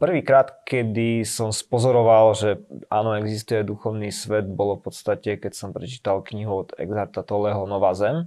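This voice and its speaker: Over a quiet background, a man with a fairly low pitch and a dark, mellow tone talks at a moderate pace. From Slovakia, Bratislava. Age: 30s. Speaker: civil servant. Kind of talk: testimony. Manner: halting.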